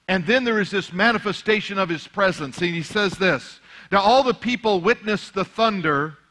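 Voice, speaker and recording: A middle-aged pastor, an Arabic native speaker, delivers a sermon in a bright, ringing voice set a little high for a man. He talks in a loose, conversational way, then climbs into fervent preaching.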